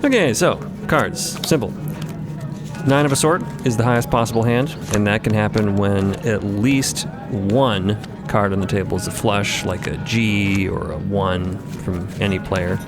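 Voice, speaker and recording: A man's voice: lowish voice, unhurried. A man voicing a brash, easygoing woman card dealer in audio fiction, with a folksy, rambling, casual way of talking. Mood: casual explaining. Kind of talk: audio fiction character dialogue. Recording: music bed behind voice.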